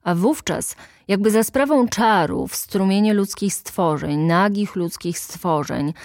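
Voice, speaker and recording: A woman narrates a literary audiobook at an unhurried pace, placing dramatic pauses. Her voice sits mid-range and sounds dry and close to the microphone. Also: medium pitch, darkish tone, no echo. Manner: measured, deliberate, dramatic pauses.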